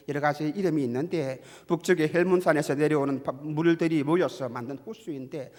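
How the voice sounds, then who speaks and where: A man preaching a Sunday sermon as pastor, building to loud repeated rhetorical questions. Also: in a large hall. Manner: rises to loud, high-pitched rhetorical repetition.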